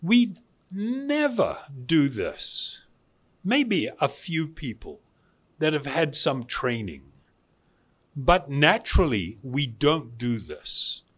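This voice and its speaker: Slow-talking man with animated, swooping intonation. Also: on the high side, husky. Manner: deliberate, with emphatic pauses and repeated phrases. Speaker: meditation and yoga teacher giving a talk. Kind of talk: spiritual self-help talk to an audience.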